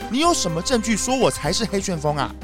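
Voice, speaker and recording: A woman's voice: mid-range voice, very animated, quick pace, over music, lightly acted. A woman playing a sly, defiant male fox jewel thief, whiny and dramatic, in a children's audio drama. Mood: indignant protest.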